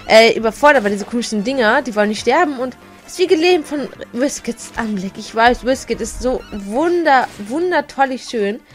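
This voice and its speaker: A woman's voice: on the high side, expressive, moderate pace, hardly any pauses. A woman giving casual, chatty video game commentary, giggling often and stumbling over her words. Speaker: let's play gamer. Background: faint game music.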